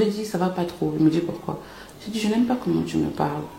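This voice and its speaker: A soft-spoken woman's fairly low-pitched voice at a fairly quick pace, with audible room echo and noticeable background noise. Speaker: vlogger giving relationship advice. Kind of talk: casual storytelling vlog.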